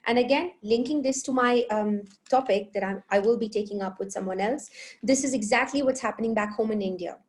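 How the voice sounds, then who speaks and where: A woman's voice: fairly high pitch, a little fast. A woman from the United Arab Emirates hosting a conversational online interview, chatty and affirming toward her guest. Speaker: interview show host.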